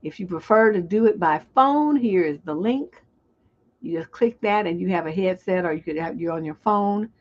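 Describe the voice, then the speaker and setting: A woman's voice: fairly low pitch, normal speed. A woman relationship coach hosting a live call-in stream, chatting loosely and reading viewers' comments aloud. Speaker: relationship coach and show host. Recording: dull lo-fi stream audio.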